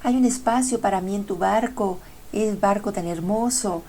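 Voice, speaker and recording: A woman's voice: medium pitch, normal speed, warm tone, voice pushed up, natural voice. A woman voicing Love as a desperate male figure in a spoken fable, pleading in a raised, frantic voice.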